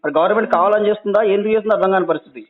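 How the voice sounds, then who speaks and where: A man's voice: high voice, very fast. A man with a Telangana Telugu accent, a journalist questioning someone on a phone call, insistent and admonishing and often cutting in. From Telangana, India. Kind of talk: confrontational phone interview. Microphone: telephone. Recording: tinny narrowband phone call.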